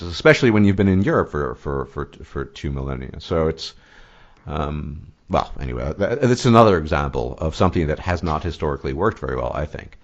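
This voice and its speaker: A man in a casual discussion, speaking hesitantly with many fillers and restarts. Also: rumbling low. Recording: muffled lo-fi audio.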